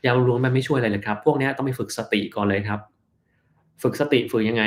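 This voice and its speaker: A man, a doctor, reads out viewers' health questions on a live stream and answers them in a plain, relaxed way, slowing down to explain terms. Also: on the low side.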